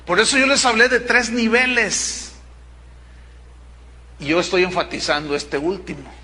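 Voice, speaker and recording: A middle-aged man, preaching a sermon as pastor, emphatic with dramatic pauses and acting out the people he quotes. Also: high-pitched, steady tone, sharp tone. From Mexico.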